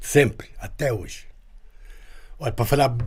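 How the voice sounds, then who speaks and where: This man's voice sits fairly high, with a dark, mellow tone. It is somewhat breathy, and the pitch moves in an ordinary way. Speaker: farmer. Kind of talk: interview storytelling.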